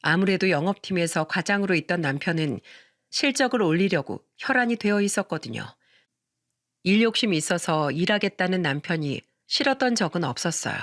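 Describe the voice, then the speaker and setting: A woman's voice: fairly low pitch, lively intonation, fairly quick, no room sound, clean studio sound. A woman narrating a first-person radio story in a conversational tone, often turning to her listeners with questions.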